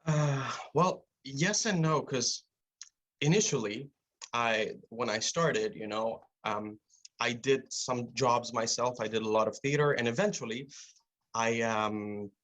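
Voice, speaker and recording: A man's voice: mid-range voice, measured pace. A young man speaks in a comfortable middle register, easygoing and chatty. He pads his thoughts with fillers as he answers from a remote link. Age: young adult. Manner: relaxed, chatty, lots of "you know" fillers. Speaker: actor, interview guest. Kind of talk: casual interview answers. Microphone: remote video call.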